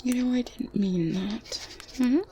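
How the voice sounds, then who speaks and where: A woman playing a good witch in an ASMR roleplay, strict but kindly and gently teasing, in a breathy, soft whisper close to the microphone. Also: fairly high pitch, lightly acted. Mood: teasing, fond. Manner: slow, gentle, with murmured hums and soft chuckles. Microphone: close binaural microphone. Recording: close binaural mic with ambient background noise. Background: medieval ambience sounds.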